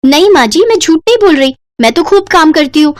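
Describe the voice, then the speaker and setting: A woman's voice: very high voice, lively intonation, a little fast, no echo, studio quality, pitched above the performer's own voice. A woman voicing a lazy young bride who pleads and makes excuses in a cartoon story. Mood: pleading.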